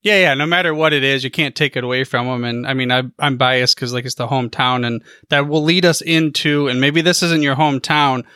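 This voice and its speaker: A male podcast host in his thirties with a bright, crisp, smooth voice. His sound is dry and close, and he chats casually with an easy laugh. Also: medium pitch, fairly even intonation, dry recording. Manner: chatty, quick to laugh along. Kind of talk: casual interview chat.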